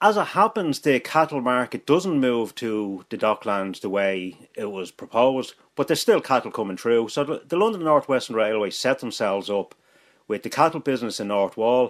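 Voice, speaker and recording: Lively in intonation, a man with an Irish accent speaks at a fairly quick pace and a medium pitch. The recording is very clean, with a silent background. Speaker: local historian. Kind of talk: radio interview.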